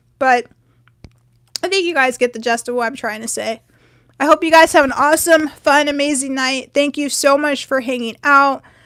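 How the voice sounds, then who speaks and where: A loud woman's voice, high in pitch with a bright, sharp tone and ordinary pitch variation, at a moderate pace on a very clean recording with a silent background. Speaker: spiritual content creator. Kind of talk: casual livestream talk. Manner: casual, filler-heavy.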